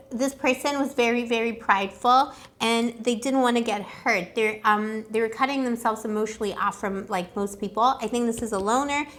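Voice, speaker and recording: A woman with a fairly high voice hosts a casual love tarot reading. She talks straight to her viewers in a playful, rambling way, full of pet names and asides. Her voice sounds a little worn, as if it is starting to go. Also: a bit bright. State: slightly losing her voice. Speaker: tarot reader and channel host.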